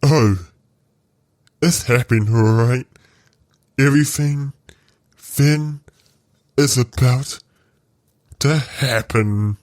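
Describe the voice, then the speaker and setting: A man voicing a gloating evil villain in an amateur audio roleplay, with grandiose, menacing, drawn-out phrasing. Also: mid-range voice, darkish tone, dry recording. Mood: triumphant. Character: gloating evil male twin villain bent on destroying reality.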